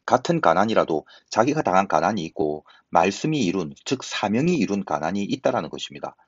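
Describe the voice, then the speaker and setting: A man's voice: low voice, darkish tone, slightly rough, no room sound, dull audio. A pastor in his fifties preaching an earnest sermon, asking the listeners rhetorical questions.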